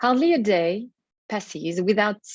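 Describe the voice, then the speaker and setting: A woman with a French accent, moderate pace and ordinary pitch variation. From France. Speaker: product evangelist. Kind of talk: conference presentation.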